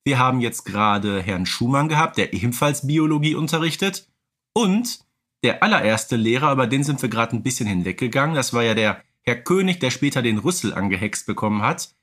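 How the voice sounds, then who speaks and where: A man's voice: medium pitch, expressive, brisk, fairly bright tone. A man talking in an explanatory, conversational way as co-host of a casual podcast, often adding tag questions.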